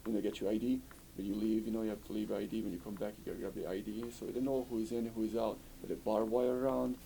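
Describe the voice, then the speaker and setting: A man from tells his story in an interview, speaking English. His voice sits somewhat low, and he talks fluently, filling his phrases with "you know." A faint hiss of room noise runs underneath. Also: flat delivery, quick pace, creaky, warm tone, poor audio. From former Yugoslavia. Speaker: refugee interviewee. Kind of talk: recorded interview testimony.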